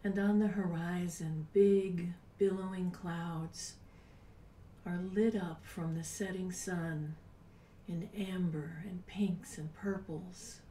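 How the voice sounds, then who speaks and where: A woman in her sixties leading a guided meditation in a soft, breathy, unhurried voice with long pauses, at times near a whisper. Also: lowish voice, fairly even intonation. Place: small home room, indoors. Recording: roomy, distant mic with background noise.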